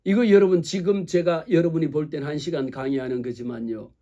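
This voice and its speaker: Male pastor, sermon. Lively preaching to the congregation, high and mellow voice. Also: fairly quick. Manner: animated preaching, acts out quoted voices; speaks directly to the congregation with rhetorical questions.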